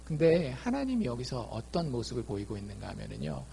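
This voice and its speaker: A man preaching a sermon as a pastor, lively, acting out quoted dialogue in his talk. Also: mid-range voice, a little fast, vocal fry, a little hiss or hum. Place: church.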